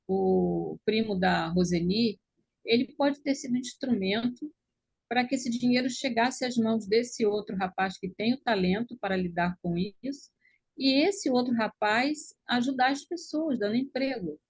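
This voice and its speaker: A woman's voice: fairly high pitch, measured pace, breathy edge, no echo. A woman in a study group discussion, hesitant and searching for words.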